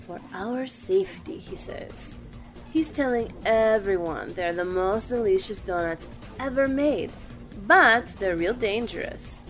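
A woman's voice: mid-range voice, lively intonation, a little slow, faint music behind, close to an everyday voice. A woman playing a sassy, gossipy office worker in an audio drama. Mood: gossipy, earnest. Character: sassy, gossipy female office worker spreading tall tales.

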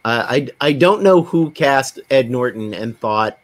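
A man's voice: mid-range voice, lively intonation, unhurried, no room sound. A man hosting a casual podcast, talking in a wry, digressive way. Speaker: podcast host.

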